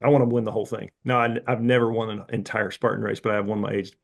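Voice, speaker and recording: A man in his fifties with a somewhat low voice speaks as a podcast guest. He is candid and loose, circling his point with asides and self-corrections. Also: level tone, racing, vocal fry. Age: 50s. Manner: frank, rambling, candid. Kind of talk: casual interview talk.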